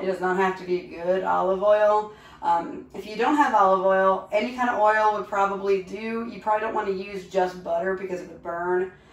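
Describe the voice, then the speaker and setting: A woman talks at a fairly quick pace with hardly any pauses and fairly even intonation. Audible room echo surrounds her voice. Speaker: home cook host. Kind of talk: casual cooking tutorial. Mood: relaxed, wry. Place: kitchen. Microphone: camera far.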